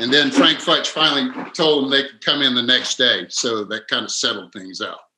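A man's fairly high-pitched voice with lively intonation at a moderate pace, audible room echo and light background noise. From Florida. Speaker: book discussion participant. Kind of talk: casual group discussion. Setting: video call. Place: home room. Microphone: webcam.

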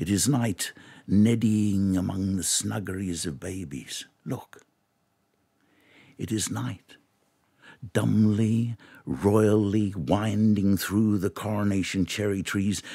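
Against a quiet background, a man with a fairly low voice and a dark, mellow tone speaks at a very slow pace with long, frequent pauses. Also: ordinary pitch variation, dry sound with no echo. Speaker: actor. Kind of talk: dramatic reading of a radio play. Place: studio. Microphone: studio mic.

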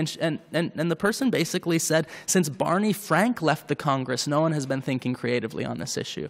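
The speaker has an American accent and a fairly quick pace. Pitch variation is ordinary, and the background is quiet. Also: man. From US, Egyptian family. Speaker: city councillor; panelist. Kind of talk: panel discussion. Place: hall. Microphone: podium.

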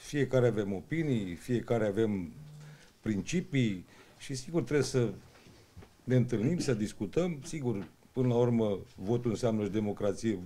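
Speaking with lively intonation, a man has a dark, mellow tone. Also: moderate pace. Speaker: party politician. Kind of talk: interview answer. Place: hall.

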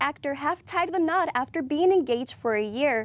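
Lively intonation and a moderate pace come through in a dry, close sound with no echo. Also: woman. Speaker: entertainment reporter. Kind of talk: scripted entertainment news reading.

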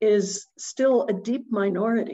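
With an American accent, a woman with a dark, mellow tone speaks at a very slow pace and with ordinary pitch variation against a quiet background. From grew up in Ethiopia, American. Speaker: author with aid work in Ethiopia. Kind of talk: interview. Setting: video call. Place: home room. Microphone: video call.

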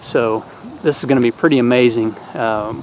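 Noticeable background noise sits behind a man's monotone, flat intonation. The sound is dry with no echo. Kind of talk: casual walkthrough commentary. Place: open country. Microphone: phone near.

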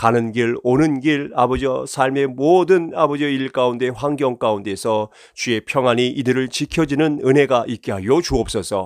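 At a moderate pace, a man talks in a normal speaking voice with medium pitch and ordinary pitch variation. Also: very clean recording, silent background. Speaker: pastor. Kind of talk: fervent intercessory prayer. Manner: earnest, pleading, rhythmic.

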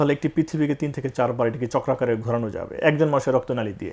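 An ordinary speaking voice from a man, fairly high in pitch with fairly even intonation, over a quiet background. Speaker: vascular surgeon. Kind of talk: expert interview on live health show. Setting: studio.

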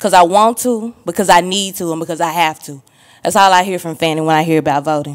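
A woman's fairly low voice with a Mississippi accent, very fast, with ordinary pitch variation and big swings in loudness, over a quiet background. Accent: US Southern (Mississippi). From Mississippi Delta. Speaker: community organizer, audience member; audience member. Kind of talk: audience question and comment. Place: hall. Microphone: handheld.

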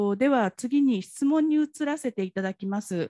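A woman's dark, mellow tone at a moderate pace, dry with no echo against a quiet background. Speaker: local councillor. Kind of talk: moderating an online study session. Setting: video call. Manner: formal. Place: meeting room. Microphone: handheld.

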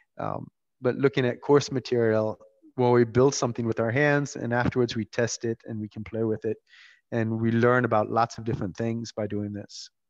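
The intonation is monotone and flat. The sound is dry and close with no echo, over a quiet background. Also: man, medium pitch for a man, moderate pace. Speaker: wind turbine building instructor. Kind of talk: online conference presentation. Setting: video call.

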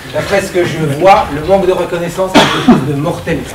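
Noticeable noise runs behind a man talking at a medium speed. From eastern France. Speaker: company CEO. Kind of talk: conference talk. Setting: stage with audience. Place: hall. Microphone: lapel.

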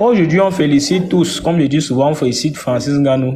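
A man speaks at a moderate pace, his pitch varying in an ordinary way, while noticeable background noise carries on. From Cameroon. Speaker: political commentator. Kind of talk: debate. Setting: online live stream.

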